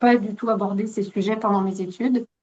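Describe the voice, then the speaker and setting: A woman speaks at a moderate pace with fairly even intonation. Her pitch sits fairly high. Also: dry, close sound with no echo. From Quebec. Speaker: architect and urban planner. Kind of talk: panel discussion. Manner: hesitant, many fillers.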